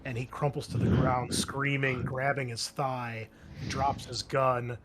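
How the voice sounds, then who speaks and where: A man's voice: medium pitch, level tone, measured pace, background noise. A man narrating a tabletop roleplaying game as game master, mixing descriptive scene-setting with informal rules talk.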